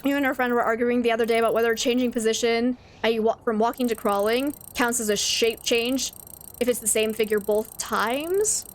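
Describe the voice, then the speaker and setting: Woman, game streamer, chatty, laughs a lot, somewhat high voice. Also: fairly even intonation, normal speed, a little hiss or hum. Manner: chatty, laughs often, reads chat aloud. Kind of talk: casual gameplay stream chat.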